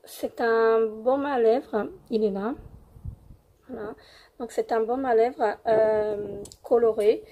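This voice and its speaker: A young woman with a cold-roughened voice, hesitantly reviewing beauty products in a casual home vlog with many fillers. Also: on the high side, fairly even intonation, slow, dark tone, highs cut off, a little hiss or hum. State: hoarse from a cold. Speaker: beauty vlogger.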